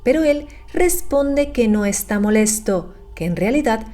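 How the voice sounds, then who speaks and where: A woman delivering scripted narration for a horror recap, in a measured, explanatory manner. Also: fairly high pitch, animated, dark tone.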